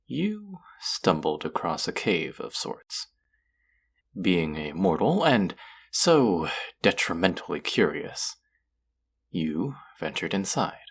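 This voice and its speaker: Guy doing a low voiced haughty god of the dead, stern and fed up, formal fantasy audio drama talk. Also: sing-song, slow, breathy edge, exaggerated voice. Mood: measured, deducing. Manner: imperious, exasperated, formal speech with sighs. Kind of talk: scripted character audio roleplay.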